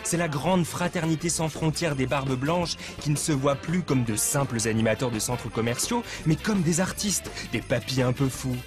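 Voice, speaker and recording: A man's voice: medium pitch, normal speed, hardly any pauses. Wry male documentary narrator over music. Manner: wry, playful delivery. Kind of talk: scripted narration. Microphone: studio voice-over.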